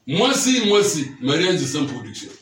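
A man's voice: on the high side, big pitch swings, measured pace, a bit bright, slight background noise. A man preaching a teaching sermon, often checking that his listeners follow him with questions. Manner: keeps quizzing listeners with questions. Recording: echoey room, mic far off.

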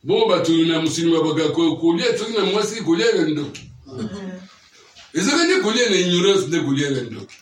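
A man with a slightly high, expressive voice preaches a teaching sermon at a somewhat quick pace, constantly quizzing his listeners to check they're following. The room is echoey and the mic sits far away.

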